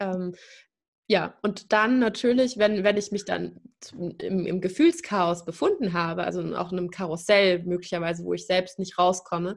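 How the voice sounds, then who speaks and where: A woman with an unremarkable speaking voice and a medium pitch talks at a moderate pace in a very clean recording with a silent background. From Baden-Württemberg, Germany. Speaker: life coach. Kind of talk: interview.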